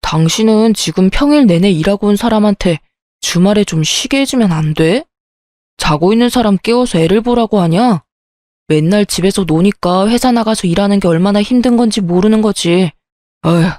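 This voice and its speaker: A woman's voice: medium pitch, normal speed, a little mellow, dry recording, close to an everyday voice. A woman voicing an irritable, selfish young husband who whines and defends himself. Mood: annoyed. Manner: whiny, defensive, sighing.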